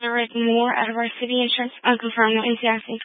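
A woman's voice: on the high side, completely flat delivery, quick pace, no echo. A woman working as a police radio dispatcher, reading back records in terse, businesslike, clipped phrases. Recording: narrow, tinny police radio channel.

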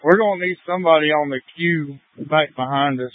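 A man working a highway closure, calling in over a two-way radio like a CB, brisk and businesslike. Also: no room sound. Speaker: state trooper at a highway closure. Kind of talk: police radio traffic. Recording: dry, tinny radio transmission.

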